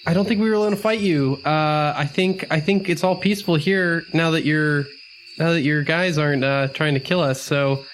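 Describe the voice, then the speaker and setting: A placating, nervous adventurer, played by a man in a tabletop game. He stammers and halts in a fairly high voice, over faint cricket noise. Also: natural voice. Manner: halting, stammering. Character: nervous, placating male adventurer calming a beast.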